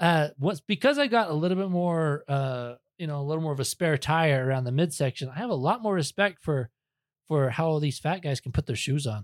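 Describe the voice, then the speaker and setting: With an American accent, a man speaks in an ordinary speaking voice at a fairly high pitch and fairly quick pace, his intonation lively, on a very clean recording with a silent background and a dry, close sound with no echo. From California, Bay Area. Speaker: stand-up comedian. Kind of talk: casual chat.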